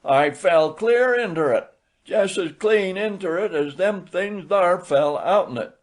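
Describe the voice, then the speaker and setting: A narrator puts on a genial, tipsy old country elder with a rural Southern drawl. He is folksy and emphatic, pitched high and loud, straight out of a storybook. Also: animated, unhurried. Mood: boisterous. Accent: rural American South. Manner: folksy, emphatic, dialect speech.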